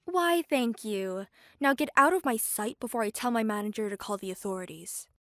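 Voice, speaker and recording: A woman's voice: on the high side, normal speed, no room sound, studio quality, close to an everyday voice. A woman playing an outspoken young store cashier in an audio drama, scolding defiantly and emphatically. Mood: scornful.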